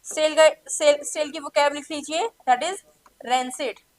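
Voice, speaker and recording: An Indian woman teaching English for an exam, who switches between Hindi and English, reads example sentences slowly, and asks the class questions that she then answers herself. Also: sits high, fairly even intonation. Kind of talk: exam-prep lesson.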